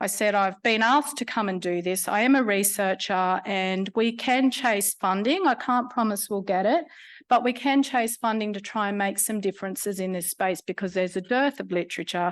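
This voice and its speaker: This speaker talks at a moderate pace with an Australian accent, leaving hardly any pauses. The pitch varies in an ordinary way. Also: woman, medium pitch for a woman. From North Western New South Wales, Australia. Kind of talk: conference plenary talk. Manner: casual, humorous.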